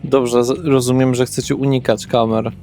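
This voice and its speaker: A man's voice: mid-range voice, flat delivery, moderate pace, warm tone. A man narrating a tabletop roleplaying session as game master, explaining things in a conversational way. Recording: background music with guitar. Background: guitar music.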